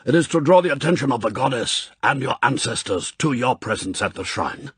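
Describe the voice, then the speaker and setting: A man's voice: mid-range voice, animated, brisk, slightly rough, no room sound. A man voicing a proud Japanese spymaster in an audiobook, formal and courtly, zealous and sternly gracious. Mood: instructive. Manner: formal, stilted, courtly phrasing.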